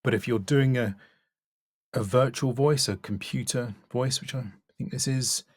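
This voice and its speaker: A man giving an off-the-cuff spoken critique as a coach, measured and considered. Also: medium pitch, dry recording. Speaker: voice-over coach.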